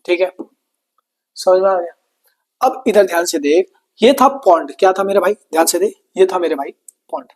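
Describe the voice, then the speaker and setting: Calling his students brother, an Indian-accented man teaches science for exam prep online in a chatty, repetitive way, slipping into English. He speaks at a normal speed in a high, darkish voice, pausing often.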